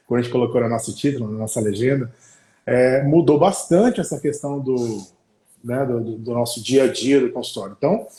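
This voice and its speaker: A man's voice: medium pitch, mellow, roomy sound. A man in his thirties with a countryside São Paulo accent, chatting casually as a doctor on a live stream, friendly and rambling with lots of fillers. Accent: São Paulo countryside (caipira). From interior of São Paulo state, Brazil. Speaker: pulmonologist guest on a live stream. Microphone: headset.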